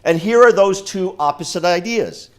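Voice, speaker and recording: A man's voice: sits high, lively intonation, moderate pace. Big-voiced New man giving a speech. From New York. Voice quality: big, loud voice. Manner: fervent, optimistic rally speaking. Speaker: keynote speaker. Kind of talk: political speech. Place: university lecture room. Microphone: unamplified voice picked up from the room.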